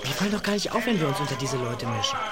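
A man acts an eager teenage boy detective in an audio drama, urging a friend on. The delivery is very lively in pitch, with loud music underneath. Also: rapid-fire, lightly acted. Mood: urgent, insistent. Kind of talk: German audio drama acting. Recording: loud music under radio play dialogue. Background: music and chanting.

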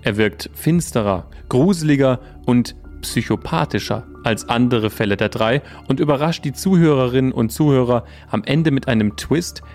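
A man's voice: medium pitch, moderate pace, few pauses, darkish tone. A man reading a scripted summary as a podcast narrator. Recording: voice-over with faint music bed.

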